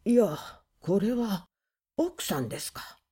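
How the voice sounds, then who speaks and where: A woman voicing a gruff middle-aged male tavern keeper who speaks in coarse, rough phrases and sounds menacing. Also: medium pitch, lively intonation, takes it slowly, mellow. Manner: rough, coarse, slurred working-class speech.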